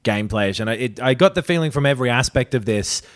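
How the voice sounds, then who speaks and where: A man's voice: mid-range voice, expressive, quick pace, dry recording, studio quality. Sardonic man co-hosting a podcast. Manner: sardonic, sweary. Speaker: podcast co-host. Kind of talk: casual chat about video games.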